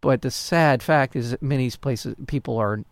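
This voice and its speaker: A man talks casually as a radio co-host. His voice is medium in pitch and recorded dry. He often repeats himself and breaks off mid-phrase while explaining. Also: moderate pace, no room sound. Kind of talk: casual chat and anecdote.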